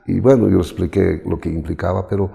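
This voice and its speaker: A middle-aged Bolivian man, a guest in an interview, telling his life story in an animated way and acting out the people he quotes. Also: low voice, fast talker, gravelly. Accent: Bolivian Spanish. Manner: animated, acts out quoted voices. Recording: long reverb.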